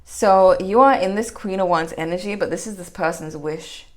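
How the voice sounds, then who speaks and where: A woman's voice: medium pitch, normal speed. A woman giving a casual, rambling general tarot reading to her viewers, full of fillers and restarts. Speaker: tarot reader.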